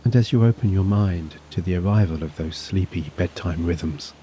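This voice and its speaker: A man with a very low, mellow voice leads a guided sleep meditation. He speaks soothingly and gently, leaving long, measured pauses between phrases. A faint hum sits behind him. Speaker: hypnosis and meditation narrator. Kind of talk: guided sleep hypnosis, scripted narration. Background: soft relaxing music and gentle waves.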